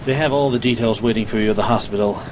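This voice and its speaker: An actor playing a somber, apologetic police detective in a radio drama. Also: male voice, medium pitch, fast, background noise, lightly acted.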